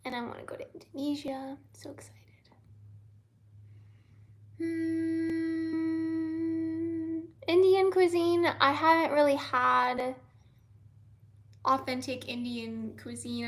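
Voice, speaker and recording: A young American woman hosting a casual livestream, reading viewer comments aloud and often slipping into soft whispers. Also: high voice, fairly even intonation, takes it slowly, pauses often. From United States. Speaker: livestream host.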